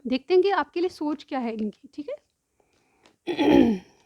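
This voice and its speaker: A woman reading tarot cards for her viewers. She explains each card in turn, often says "theek hai", and keeps clearing a sore throat. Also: high voice, expressive, takes it slowly, no echo, lo-fi sound. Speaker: tarot reader.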